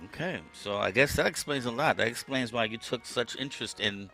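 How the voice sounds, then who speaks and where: A man hosting a podcast, chatting casually with his guest in a relaxed, conversational way from his own studio setup. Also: mid-range voice, a little fast, creaky, soft background music. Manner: relaxed, conversational, with frequent "um" and "okay". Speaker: podcast host. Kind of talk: casual interview chat. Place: home music studio.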